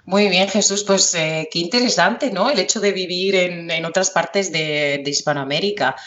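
A woman's voice: on the low side, normal speed, fairly bright tone, highs cut off. A woman hosting a podcast interview, asking questions in an enthusiastic way. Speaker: podcast host.

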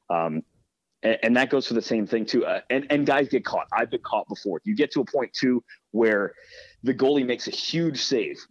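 Male sports broadcaster, low register, earnest and explanatory interview delivery, slightly dull recording. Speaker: hockey play-by-play broadcaster being interviewed. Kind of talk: conversational interview answers.

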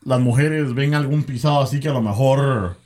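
A man co-hosting a casual chat, slangy and relaxed. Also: mid-range voice, normal speed, slight background noise. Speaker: podcast co-host.

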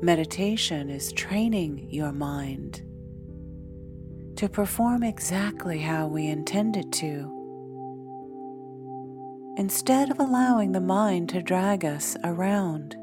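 A woman leading a guided meditation in a soothing, deliberate way, pausing often between short phrases. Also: lowish voice, animated. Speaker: meditation guide, podcast host. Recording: background music. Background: soft instrumental music.

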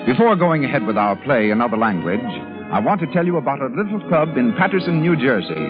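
Animated old-time radio announcer man. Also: mid-range voice, brisk. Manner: formal, declamatory. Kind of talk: old-time 1930s radio announcer, formal scripted sponsor and cast introductions. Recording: muffled 1930s radio broadcast, music behind. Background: music.

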